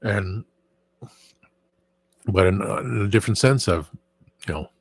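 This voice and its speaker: Low, husky man rambling on his channel. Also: unhurried, dry recording. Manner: rambling, with frequent restarts and trailing asides. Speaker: channel host. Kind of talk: casual rambling live chat.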